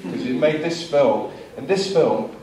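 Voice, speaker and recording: A man's voice: fairly high pitch, measured pace, far from the mic. A man in his forties, a filmmaker on a seminar panel, telling stories and acting out other people's lines. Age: 40s. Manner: lively storyteller who acts out other people's lines. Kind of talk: anecdotal seminar talk. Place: seminar hall. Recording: very echoey hall, voice from afar.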